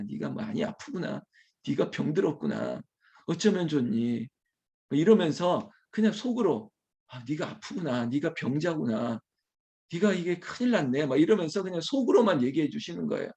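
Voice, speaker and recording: A man's voice: fairly high pitch, darkish tone. Humorous, folksy male pastor preaching. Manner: folksy, humorous, addresses the congregation often. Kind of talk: early-morning prayer sermon.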